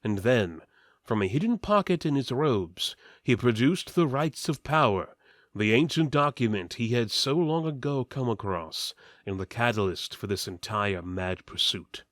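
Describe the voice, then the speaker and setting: Guy doing a dramatic fantasy audiobook read, super animated but deadpan serious, dry close sound. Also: mid-range voice, a little slow, dry recording. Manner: theatrical, deadpan delivery of absurd lines. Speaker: narrator. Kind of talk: mock-serious dramatic reading of fantasy fiction.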